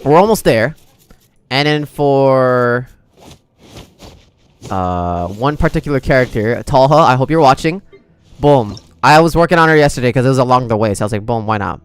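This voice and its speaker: Casual man livestreaming, lively smooth voice. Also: medium pitch, normal speed. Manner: slangy, chummy with viewers. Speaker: video game livestreamer. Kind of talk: casual gameplay stream chat. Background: game music.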